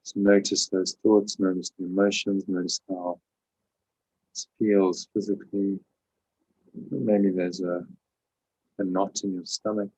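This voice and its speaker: A man leading a guided meditation as a spiritual teacher, giving calm, measured instructions with pauses. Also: low-pitched, rough recording.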